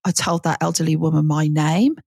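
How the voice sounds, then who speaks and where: A middle-aged woman, co-hosting a podcast and telling a lively anecdote with frequent laughter. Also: sits low, a little fast, gravelly, husky, dry recording. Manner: lively storyteller, chatty, laughs often. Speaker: podcast co-host, teacher trainer. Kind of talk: casual chat, anecdote.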